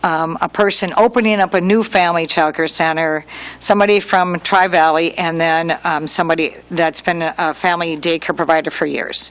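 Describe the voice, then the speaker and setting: Over noticeable background noise, a woman with a fairly low pitch talks at a moderate pace with fairly even intonation and hardly any pauses. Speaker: city official presenting at council meeting. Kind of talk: public meeting report. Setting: city meeting room with microphones. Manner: loud; hesitant, many fillers.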